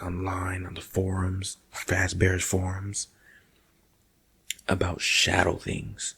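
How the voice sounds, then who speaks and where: A man acts out the part of a jittery night security guard in an ASMR roleplay, speaking casually and haltingly to his partner and now and then dropping into whispers. His voice sits low and creaks, with a fairly bright, slightly rough tone and a heavily acted delivery.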